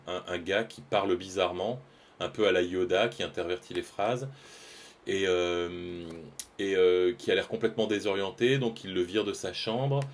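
A man, chatting casually and hesitantly with his stream viewers while he draws live, full of fillers and restarts. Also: low voice.

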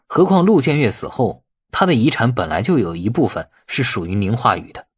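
A man's voice: mid-range voice, sing-song, fairly quick, slightly rough. A man voicing a brash, irritable, defensive man who grumbles colloquially in an audiobook. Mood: explaining. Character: brash, irritable man in a family inheritance feud. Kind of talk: audiobook character acting.

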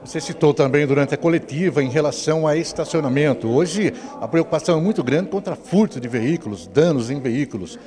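A man's voice: on the high side, brisk, hardly any pauses, mellow. A man with a Brazilian accent working as a TV reporter, putting questions to interviewees. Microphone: handheld interview microphone. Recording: echoey room with faint noise.

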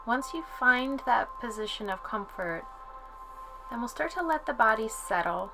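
A woman leading a guided relaxation as a yoga instructor, speaking in a calm, soothing way with long pauses. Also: on the high side. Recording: soft music under the voice. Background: music.

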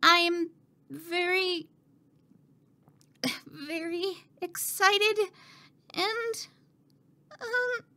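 A woman voicing a timid young prince and anxious heir for an audition, halting and stammering through fillers and restarts. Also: very high voice, bright, forceful tone, heavily acted. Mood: nervous. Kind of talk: voice acting audition.

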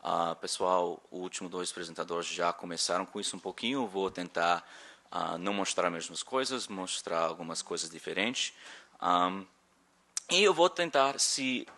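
A man in his thirties with an American accent gives a talk from a conference table. His voice sits low but carries a bright, forward edge. He stops often to search for words and makes light of his own slips. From born in Rio, raised in Chicago. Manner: halting, searching for words, self-deprecating. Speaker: conference speaker. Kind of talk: conference presentation. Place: conference hall. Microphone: table microphone.

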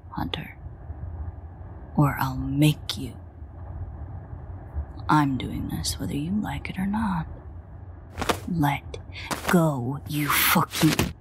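A sardonic vampire woman, acted by a woman in an intimate audio drama. She speaks slowly in a hushed, breathy low voice, swearing and coaxing by turns, with a protective edge. Faint rainy ambience sits behind her. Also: exaggerated voice. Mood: irritated, insistent. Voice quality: hushed, breathy, often near a whisper. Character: foul-mouthed, teasing female vampire with a protective streak. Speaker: audio roleplay voice actor. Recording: faint ambient noise, rain.

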